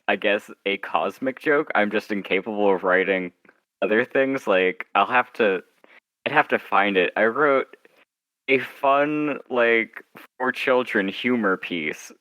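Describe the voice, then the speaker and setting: A man being interviewed as an author, chatting casually in a wry, self-deprecating way, haltingly and with little acted-out asides. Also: on the low side, no room sound, highs cut off.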